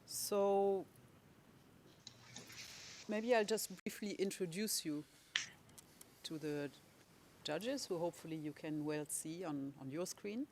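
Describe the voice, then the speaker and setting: Measured courtroom lawyer, faint hiss. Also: medium pitch, darkish tone. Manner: measured, deliberate. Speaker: legal representative of victims. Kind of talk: courtroom questioning.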